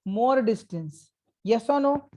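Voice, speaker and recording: Mellow South Asian woman teaching maths. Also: fairly high pitch, lively intonation, slow. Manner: stern, prodding, repeatedly checks for answers. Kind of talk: interactive maths lesson.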